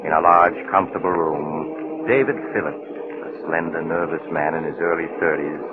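A man's voice: rumbling low, fairly even intonation, moderate pace, very noisy. An actor playing an eerie male storyteller who invites listeners into strange, terrifying tales, in a 1940s radio drama. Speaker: narrator. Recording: tinny old radio recording with loud music.

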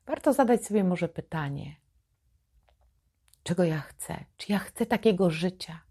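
Slow, emphatic low-voiced woman. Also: lively intonation, mellow, slightly rough. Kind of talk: advice monologue to viewers.

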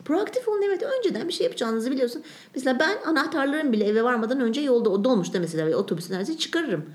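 A young woman chatting casually as a podcast co-host, animated and ranting about everyday annoyances. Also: a little high, rapid-fire. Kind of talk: casual chat.

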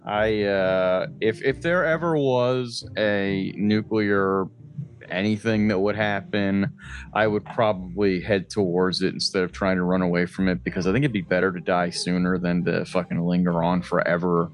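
A man's voice: low voice, steady tone, moderate pace. A man co-hosting a podcast in casual conversation, with a wry manner and casual swearing. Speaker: podcast co-host. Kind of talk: casual chat.

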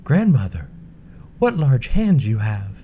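A man's voice: medium pitch, sing-song, slow, mellow, muffled recording, slight background noise, voice pushed up. A man reading a storybook aloud, voicing a trusting young girl in a raised, eager girlish voice. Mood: wondering.

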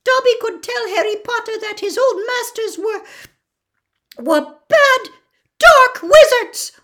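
A woman voicing a nervous, devoted male house-elf from a storybook, with a squeaky voice and servile third-person speech. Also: expressive, slow pace, pushed and bright, exaggerated voice. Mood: fearful, daring.

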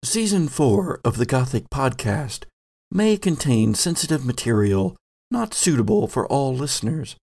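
A man hosting a podcast as game master, giving intros and announcements in a deliberate, playfully emphatic way. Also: medium pitch, sing-song, vocal fry, a little mellow, no room sound.

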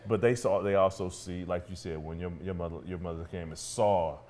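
A man's voice: sits low, fairly even intonation, brisk, a little mellow. A middle-aged man with an African American accent, talking casually and earnestly as a guest on an interview show, offering encouraging advice. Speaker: podcast guest, entrepreneur and author.

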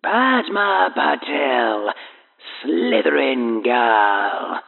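A man voicing an unseen, menacing whispering voice, filtered and doubled with a whisper, speaking slowly with a hissing, gravelly breathiness. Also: medium pitch, sing-song, voice pushed up, full character voice. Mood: ominous. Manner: slow, hissing, solemn delivery. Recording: thin phone-like filtered sound.

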